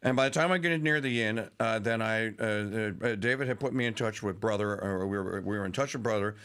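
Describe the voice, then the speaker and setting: A man's voice: lowish voice, a little fast, fairly bright tone, clear, resonant tone. A man hosting a radio talk show, chatting casually and emotionally with a caller. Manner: emotional, laughing, rambling.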